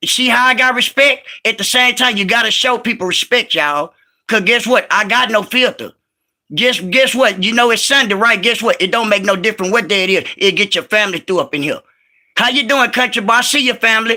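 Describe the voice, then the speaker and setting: An extremely high, raised, projected male voice at a fairly quick pace, on a very clean recording with a silent background. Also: ordinary pitch variation. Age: 40s. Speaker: reaction channel streamer. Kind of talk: livestream chat reaction and trash talk. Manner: animated, repetitive with many fillers; stuttering.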